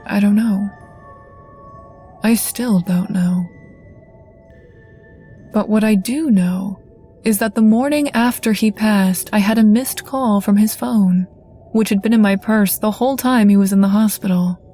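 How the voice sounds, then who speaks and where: Casting: woman narrator, warm mellow tone, soft and earnest scripted storytelling, faint music underneath. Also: mid-range voice, steady tone, measured pace, long pauses. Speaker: guest narrator.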